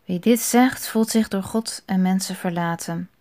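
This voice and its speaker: A woman speaks a slow, reflective meditation in a quiet, thoughtful voice. At times she drops almost to a whisper. Her pitch sits in a middle range.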